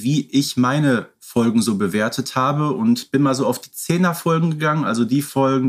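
A man co-hosts a fan podcast. His voice sits at an average male pitch. He chats in a measured, explanatory way with a playful touch. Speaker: podcast co-host. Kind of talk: chatty fan podcast talk.

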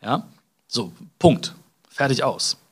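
A man's voice: mid-range voice, very animated, slow pace, breathy edge. A man from Germany talks through a casual self-help podcast, speaking directly to the listener. His voice sits in an ordinary middle range. He hesitates and restarts often, filling gaps with small sounds and tag questions. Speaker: podcast host.

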